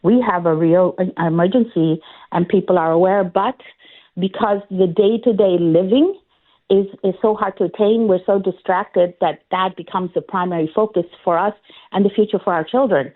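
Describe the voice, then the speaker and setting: A woman's voice: mid-range voice, normal speed. Woman, political candidate, earnest campaigning tone, frequent fillers and restarts, phone-line sound. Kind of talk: phone interview on talk radio.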